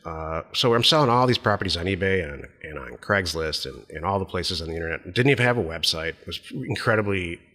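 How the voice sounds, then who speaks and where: Deep-voiced American man, bright and forceful. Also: animated, fast, few pauses, in a large hall. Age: middle-aged. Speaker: podcast co-host. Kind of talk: casual business podcast chat.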